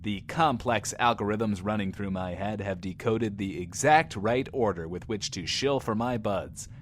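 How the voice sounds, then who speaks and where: An actor playing a smug, wisecracking radio host of the apocalypse, showy and wry, in audio drama radio patter. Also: male voice, lowish voice, measured pace, slight background noise, lightly acted. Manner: showy, self-important, wry. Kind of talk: in-world radio show patter.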